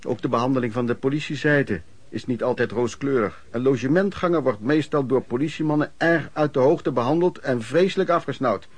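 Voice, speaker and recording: An actor narrating a Dutch radio play as a reflective vagrant, in measured, formal, scripted sentences. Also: male voice, mid-range voice, lightly acted. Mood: rueful, reflective. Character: earnest, rueful vagrant narrator recalling lodging-house life.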